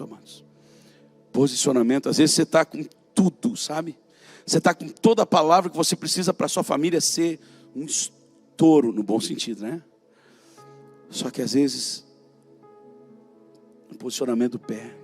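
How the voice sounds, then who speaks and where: Emphatic Brazilian preacher, gravelly voice. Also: male voice, medium pitch, moderate pace, long pauses, soft background music. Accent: Brazilian Portuguese. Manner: emphatic, swings from loud calls to near-whispered asides. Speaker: prophet preacher. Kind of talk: sermon.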